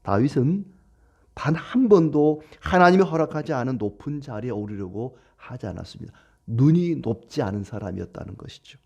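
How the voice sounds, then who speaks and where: A man preaching a sermon as a pastor, animated, with acted quotes. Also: mid-range voice, moderate pace, vocal fry, lo-fi sound.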